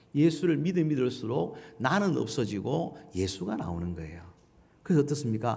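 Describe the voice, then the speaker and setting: Audible room echo and very wide pitch swings in a man's speech. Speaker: pastor. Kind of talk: sermon. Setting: church.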